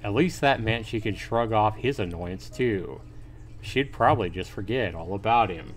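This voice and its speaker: A man's voice: on the low side, expressive, moderate pace. A man hosting a livestream, reading a visual novel aloud as a narrator with casual asides. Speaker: livestream host. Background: faint music.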